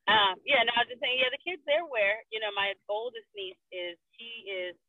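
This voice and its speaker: A woman's voice: fairly high pitch, a little fast, dry recording. Woman on a car speakerphone call, thin phone-line sound, dry, casual and rambling. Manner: loose and chatty, with many "like" and "you know" fillers. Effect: phone speakerphone while driving a car. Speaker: guest on a group call. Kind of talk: casual chat.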